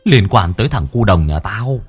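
A man's voice: lowish voice, lively intonation, moderate pace, faint music behind, close to an everyday voice. A man voicing the ghost of a dead old man who urgently pleads for help. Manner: urgent, insistent.

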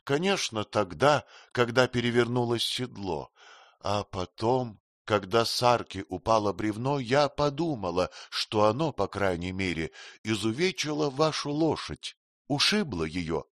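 A man's voice: lowish voice, lively intonation, unhurried, fairly bright tone, no room sound, clean studio sound, pitched above the performer's own voice. A man voicing a scheming young queen who speaks in a pleading, coquettish and intense way. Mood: confiding.

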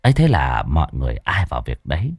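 A male storyteller narrates a spooky folk tale, his pitch rising and falling with lively color. The sound is close and dry. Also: fast, husky, dry recording.

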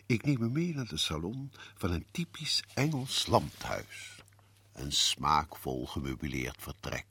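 A man's voice: sits low, gravelly, pushed and bright, slightly rough, no echo, heavily acted. The sinister man in black. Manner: slow, theatrical, suspenseful delivery. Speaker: narrator host of a horror radio series. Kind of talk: radio drama narration.

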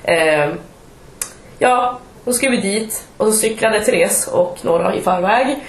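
A woman, co-hosting a podcast and telling stories in casual chat. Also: medium pitch. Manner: chatty storytelling, animated retelling. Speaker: podcast co-host. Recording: echoey room.

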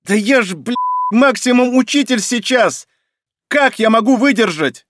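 A man voicing a young male aristocrat fighter, yelling and cursing under heavy strain. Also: very high-pitched, lively intonation, measured pace, no echo, clean studio sound, pitched above the performer's own voice, full character voice. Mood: desperate.

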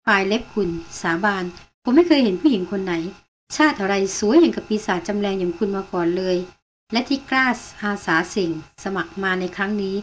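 A woman's voice: medium pitch, expressive, a little fast, slight background noise, close to an everyday voice. A woman voicing an eager, smitten young man who talks boldly and earnestly, in a storybook reading. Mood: eager, pleading.

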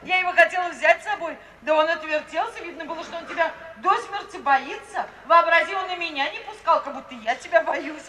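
A woman's voice: very high-pitched, brisk, few pauses, bright, forceful tone. An actress playing an emotional, coarse-edged middle-aged mother in a 1950s radio play, plaintive and exclamatory. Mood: anxious, coaxing. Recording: distant, roomy old radio recording, hiss.

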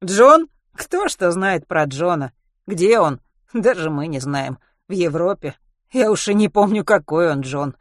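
A woman's voice: lowish voice, very animated, a little slow, dry recording, clean studio sound. A woman reading an audiobook and voicing a fretful, tearful middle-aged mother who laments emphatically about her sons.

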